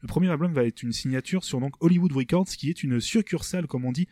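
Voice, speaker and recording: A man's voice: fairly high pitch, quick pace, dark tone, dry recording, clean studio sound. A man co-hosting a casual music podcast, rambling and hesitant with many fillers. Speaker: podcast co-host presenting a band. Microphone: desk microphone.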